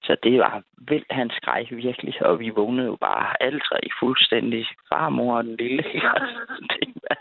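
Woman caller, gravelly, chatty storyteller who laughs often, tinny phone line, dry sound. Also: very deep voice. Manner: lively, chatty, laughs between sentences. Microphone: telephone.

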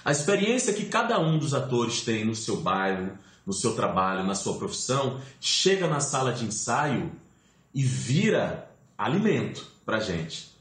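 A man's voice: mid-range voice, a little slow. A man from Salvador with a Bahian accent, an actor talking animatedly as a guest on a talk show. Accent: Bahian Portuguese. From Salvador, Bahia, Brazil. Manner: animated storyteller, expressive swings. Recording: roomy echo.

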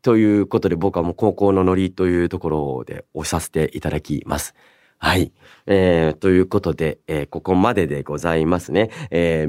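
A man hosting a radio show in a chatty, playful yet polite way, moving between banter and announcements. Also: low-pitched. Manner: playful, polite, animated delivery. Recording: voice over background music. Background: background music.

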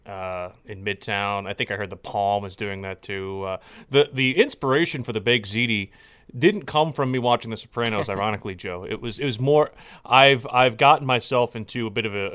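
A man's voice: fairly low pitch, fairly bright tone, clean tone. A man hosting a casual podcast, talking in long rambling runs with many fillers and restarts. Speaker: podcast host.

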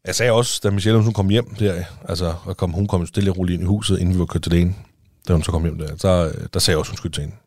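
A man's voice: low voice, fairly even intonation, a little mellow, no room sound, studio quality. A man with a Danish accent, a father talking as a podcast guest in casual chat, rambling with many restarts and fillers.

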